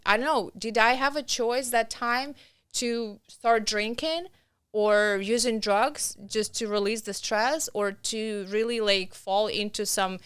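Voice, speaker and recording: A woman in her thirties with a Russian accent, talking earnestly and haltingly as a podcast guest. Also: on the high side, a bit bright, clear, resonant tone, dry recording, clean studio sound. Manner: earnest, halting, with restarts and non-native grammar. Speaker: podcast guest, nonprofit founder. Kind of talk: conversational interview.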